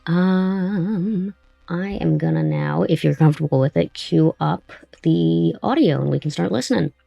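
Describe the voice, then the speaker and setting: Interviewer and writer, conversational, pronounced vocal fry, dry close sound. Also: medium pitch, unhurried, dark tone, dry recording, muffled recording, soft background music. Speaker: host, writer of an audio drama.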